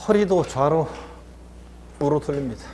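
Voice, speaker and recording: A man's voice: on the high side, lively intonation, measured pace, darkish tone, a little hiss or hum. A man teaching a lecture course in a chatty, encouraging way. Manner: chatty and encouraging, often starts with "자". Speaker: instructor.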